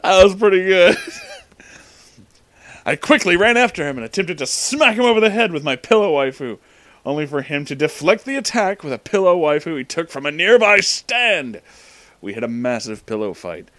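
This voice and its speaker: A man's voice: on the high side, sing-song, normal speed, fairly bright tone, no echo. A man hosting a casual comic read-aloud, informal and amused, with asides to the listener. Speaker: reader and host of a story-reading show.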